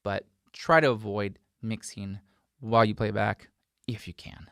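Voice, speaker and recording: A man's voice: on the low side, fairly even intonation, measured pace, fairly bright tone, no echo, clean studio sound. A man in his forties giving an informal tutorial to camera, stressing points by repetition and acting out example remarks. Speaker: instructor, video host. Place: small home studio, indoors. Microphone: desk microphone close in front.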